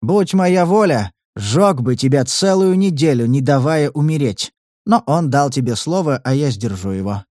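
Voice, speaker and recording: A man voicing a cruel, proud male patriarch's son of about forty, threatening in a lowered voice. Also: expressive, moderate pace, a little mellow, no echo, studio quality, lightly acted. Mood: menacing. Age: 40s.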